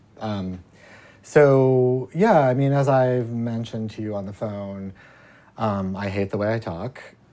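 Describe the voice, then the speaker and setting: The voice has a dark, mellow tone and a sing-song delivery at a fairly slow pace. Its pitch varies in an ordinary way. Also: man, medium pitch for a man. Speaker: documentary filmmaker. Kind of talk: casual chat. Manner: upspeak, sing-song intonation.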